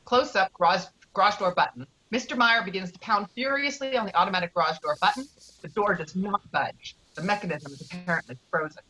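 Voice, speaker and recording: A woman's voice: medium pitch, a little fast, sharp tone, poor audio. A woman reading screenplay stage directions as the narrator of a table read.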